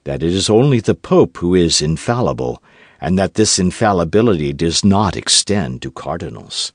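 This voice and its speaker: A man voicing a calm, shrewd captain of musketeers who speaks quietly and with measured composure in an audiobook. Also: sits low, no echo, clean studio sound, exaggerated voice. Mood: composed.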